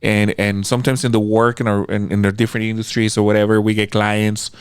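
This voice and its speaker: A man's voice: lowish voice, flat delivery, fast talker, smooth, no echo. A man hosting a casual interview, talking in a motivational, emphatic way and playfully acting out scenes. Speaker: podcast host.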